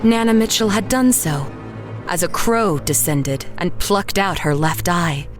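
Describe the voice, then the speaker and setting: A woman acting as a haunted young painter narrates her unraveling in a lowish voice. She is anxious and brooding, telling it in measured, literary phrases like a horror audio drama, with music playing underneath. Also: lightly acted. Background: background music.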